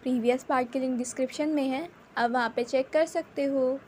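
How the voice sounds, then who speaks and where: A woman narrating her own fan fiction in steady, plain storytelling. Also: sits high, fairly quick, slight background noise.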